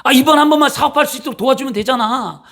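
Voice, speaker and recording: A whining grown child begs his parents for help again and again, voice pitched up high and pleading, as a man acts him out. The pleading keeps circling back on itself. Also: rapid-fire, a bit bright. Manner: pleading, repetitive. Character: whining adult child begging parents for money.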